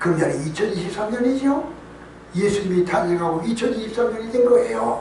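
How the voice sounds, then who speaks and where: A man speaks at a fairly quick pace in a high voice with very wide pitch swings, audible room echo and noticeable background noise. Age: 70s. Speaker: pastor. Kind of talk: sermon.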